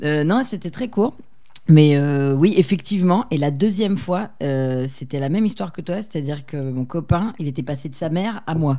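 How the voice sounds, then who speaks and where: A woman's very deep, low voice with a dark, mellow tone carries lively intonation at a moderate pace. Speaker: comedian. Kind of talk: casual chat.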